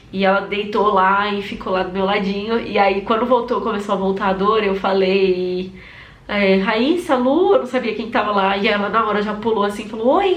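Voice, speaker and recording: A woman's voice: mid-range voice, fairly bright tone. A woman with a Brazilian Portuguese accent telling her personal story in a casual, emotional way, often breaking into laughs and acted quotes. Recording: echoey room with faint noise.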